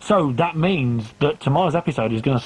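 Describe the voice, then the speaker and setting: A man with a fairly high pitch speaks in an upbeat tone that is somewhat breathy. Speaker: radio DJ. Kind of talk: radio show hosting. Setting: radio broadcast. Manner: upbeat, jokey.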